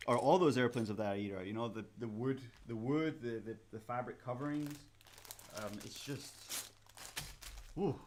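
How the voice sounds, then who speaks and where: A Scottish man talks loosely and chattily on a museum livestream as he pieces a model kit together. His voice sits at an everyday middle pitch. It dips low and quiet while he concentrates, then jumps up bright and loud when he gets excited, with plenty of "um" and "you know" along the way. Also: slight background noise. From Scotland. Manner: rambling and chatty, with many fillers and restarts; animated, with sudden rises in pitch and loudness when excited.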